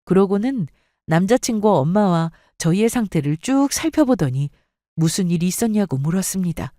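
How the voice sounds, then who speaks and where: Expressive woman reading a story. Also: lowish voice, normal speed, dry recording, studio quality. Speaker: story reader. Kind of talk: dramatic first-person story narration.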